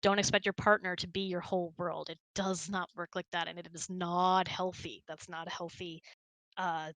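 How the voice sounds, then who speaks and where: A woman's voice: lowish voice, flat delivery, normal speed, a bit bright, dry recording. A woman chatting casually and candidly as host of an online hangout, often dropping "like" into her sentences. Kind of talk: casual chat with spouse.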